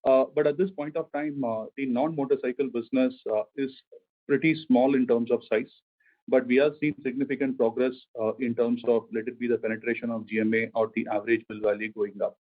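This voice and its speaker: A man speaking as a company finance executive, giving measured corporate answers to analysts on an earnings conference call. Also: medium pitch, fairly even intonation. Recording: phone-like conference call line.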